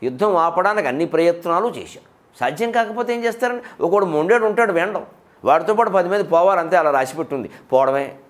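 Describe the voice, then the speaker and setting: A man's voice: sits high, animated, quick pace. Emphatic male lecturer, rhetorical questions. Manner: emphatic, rhetorical questions, mimics others mid-speech. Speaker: lecturer on literature. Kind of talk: public lecture on poetry and culture.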